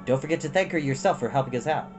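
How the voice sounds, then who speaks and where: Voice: mid-range voice, rapid-fire, darkish tone, faint music behind, natural voice. A storyteller voicing an easygoing, kindly father in a children's story. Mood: hurried, fond. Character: easygoing, kindly father of two young girls.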